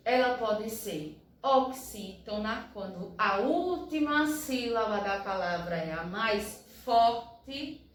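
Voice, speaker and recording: A woman's voice: medium pitch, slight background noise. A woman teacher giving a review lesson to young schoolchildren, speaking patiently and breaking words into syllables one by one. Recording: very echoey room, voice from a distance.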